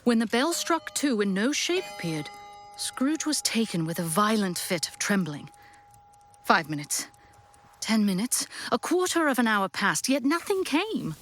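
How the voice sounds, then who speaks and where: A woman narrating a scripted audio drama, expressive and deliberate in her storytelling. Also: on the high side, a little hiss or hum.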